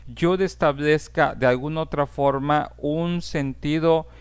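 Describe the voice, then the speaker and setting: A man lecturing to his students at a deliberately slow pace, pausing on "eh" and checking in with "¿sí?". His voice sits a little high for a man. It comes through smooth and resonant. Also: fairly even intonation. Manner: slow, measured explaining with frequent "eh" fillers and "¿sí?" checks. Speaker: teacher. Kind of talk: recorded class lecture.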